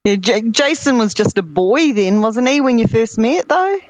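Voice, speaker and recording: A woman's voice: fairly high pitch, a little hiss or hum, poor audio. A woman in a band, chatting and teasing her bandmates with frequent laughter. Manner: teasing, giggly, slow and lively. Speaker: band member guest. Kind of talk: casual interview chat.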